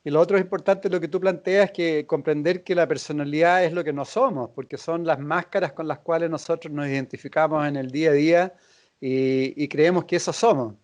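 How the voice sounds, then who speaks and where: A man hosting a reflective conversation, calm and affirming, with small hesitations as he builds on his guest's points. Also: on the high side, brisk. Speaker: host.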